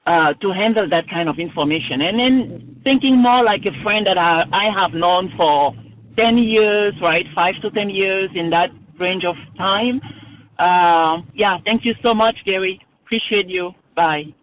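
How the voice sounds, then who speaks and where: A woman's voice: medium pitch, a little slow. A woman from Cameroon, calling in with an earnest, searching question and restarting her phrases as she goes. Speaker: caller. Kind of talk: recorded call-in question. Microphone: phone. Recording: dull lo-fi phone line.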